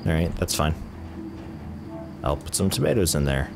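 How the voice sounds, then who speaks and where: A man casually chatting with a friend while playing a co-op game, relaxed and muttering as he sorts items. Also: a bass voice, normal speed, creaky, music in the background. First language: English. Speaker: gaming channel host. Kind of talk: casual co-op gameplay chat.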